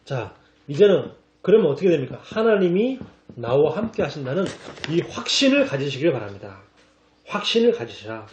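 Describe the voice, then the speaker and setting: A man pastor preaching a lively sermon, acting out scripture in casual slang and laughing along. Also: fairly high pitch, normal speed, echoey room, dull audio, slight background noise.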